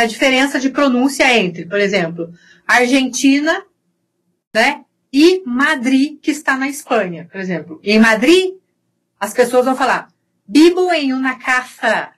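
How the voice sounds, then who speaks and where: Brazilian Portuguese-accented female lecturer, very slow and deliberate, repeats sounds and checks in often. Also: sits high, a bit bright, low-quality recording. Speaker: university Spanish teacher. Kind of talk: recorded lecture on Spanish pronunciation.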